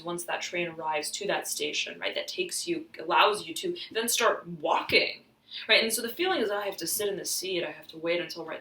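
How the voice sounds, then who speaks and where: A woman giving an intuitive tarot reading, halting and searching as she talks, slightly hoarse, often saying "right" and "I'm hearing.". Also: mid-range voice, bright, forceful tone, distant mic. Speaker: tarot reader. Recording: roomy echo, voice off-mic.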